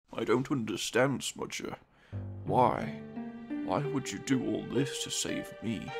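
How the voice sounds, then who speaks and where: Using a put-on character voice at medium pitch, a man talks at a fairly slow pace with long, frequent pauses as faint music plays in the background. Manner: humble, remorseful.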